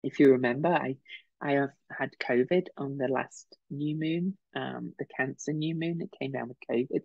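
A woman in her fifties with a slightly croaky throat, explaining informally as an astrology podcast host, reflective and often pausing mid-phrase. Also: very deep voice, dry recording, lo-fi sound. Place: small home room, indoors.

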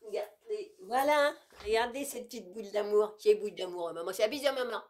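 Indoors in a bedroom papered with leaves, a French woman in her fifties vlogs casually about her groceries to a camera close in front. She talks fairly quickly in a mid-range voice, a little stuffy from a cold. Her manner is chatty and playful, with coos and baby talk aimed at her cat now and then.

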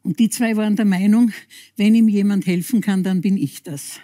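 A woman's voice: mid-range voice, fairly even intonation, normal speed, warm tone, no echo, studio quality. An older woman telling her story plainly and firmly as a guest on a TV talk show. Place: TV studio.

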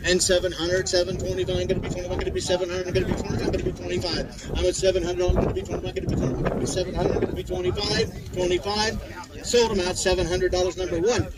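A man working as an auctioneer, calling bids in a repetitive singsong chant outdoors. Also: sits high. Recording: distant outdoor sound, loud crowd noise. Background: loud crowd.

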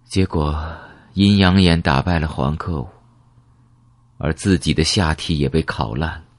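A man's voice: low-pitched, no room sound. A man narrating a novel as an audiobook in a dramatic storytelling manner, dropping to a whisper for grim details.

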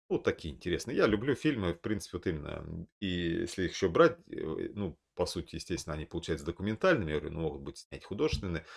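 A man's voice: low-pitched, creaky. A man in his thirties recommending films to camera in a casual, rambling way, with lots of fillers and restarts, seated indoors and filmed on a webcam. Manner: rambling, with many fillers and self-corrections. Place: indoor room, seated at a desk.

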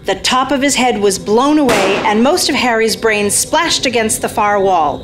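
A woman's voice: fairly high pitch, expressive, normal speed, background noise. A woman on stage reading scripted narration for a radio play. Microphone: stand microphone. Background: music.

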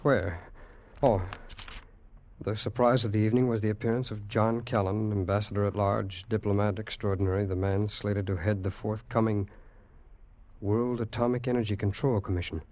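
An actor playing an earnest, anxious, conscience-stricken doctor in a 1940s radio drama, with an urgent manner. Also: male voice, fairly low pitch, fairly even intonation, normal speed, darkish tone, lightly acted. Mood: concerned. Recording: muffled 1940s radio broadcast.

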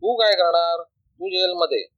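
A tearful, worried mother pours out her troubles, voiced by a man reading aloud. The voice sits slightly high, close and dry. The sound is muffled and lo-fi. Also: a little slow, a bit bright, no echo. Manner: complaining, pleading. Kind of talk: storybook reading. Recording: dull lo-fi recording.

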